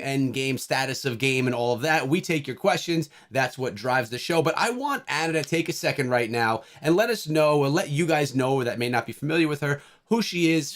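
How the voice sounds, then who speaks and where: A man's voice: medium pitch, a bit bright. A man hosting a gaming podcast, leading the talk in an upbeat, conversational way. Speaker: podcast host.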